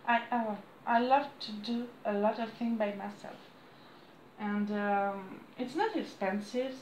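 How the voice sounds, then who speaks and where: A woman in her thirties with a French accent, chatting to camera at home in halting English, losing her voice. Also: on the high side, echoey room, slight background noise, low-quality recording. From France. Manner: halting non-native English with frequent restarts and apologies. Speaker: crafts vlogger. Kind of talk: casual chat to camera. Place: small room indoors at home. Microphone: camera on a desk close by.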